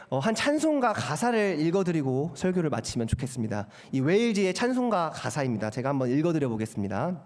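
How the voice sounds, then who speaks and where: A young male preacher with a strikingly high voice delivers an earnest sermon, his pitch rising and falling with lively emphasis. He keeps turning to the congregation with rhetorical questions. The long reverb of a church hall hangs behind every phrase. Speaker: assistant pastor preaching. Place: church sanctuary at a Friday prayer service.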